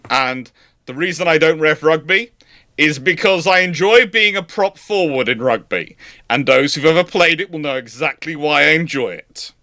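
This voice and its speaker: British man, forceful bright voice, casual stream host, opinionated, rambling, emphatic. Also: a little high, animated, normal speed. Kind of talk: casual live question-and-answer chat.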